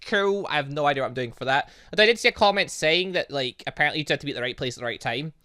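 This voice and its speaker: A man's voice: fairly high pitch, animated, very fast, pushed and bright. A man giving casual, rambling let's play commentary as a gaming YouTuber, chatting away and often interrupting himself.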